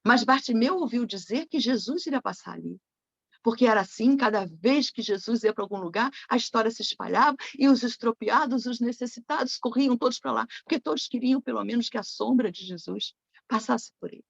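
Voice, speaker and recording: A woman's voice: on the high side, lively intonation, brisk, creaky, husky, no echo. A woman giving a reflective spiritist sermon, often tagging her phrases with a questioning "né". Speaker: spiritist lecturer. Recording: dull lo-fi dry recording.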